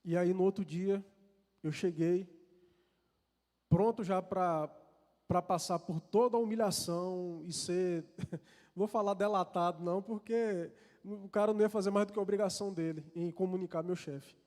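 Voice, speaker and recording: A high, slightly mellow voice keeps a steady tone and moderate pace as a Brazilian-accented man preaches. Recorded with a church hall's long reverb, he earnestly shares a personal story, often restarting and repeating words.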